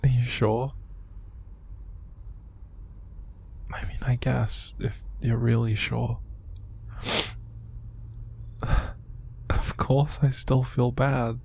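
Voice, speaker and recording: A man acting an upset, exhausted young man in an intimate audio roleplay, speaking in a hushed, halting, breathy and gravelly voice. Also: medium pitch, level tone. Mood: guilty, apologetic. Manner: halting, sighing, hushed, naturalistic delivery. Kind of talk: intimate audio roleplay monologue to an unseen listener.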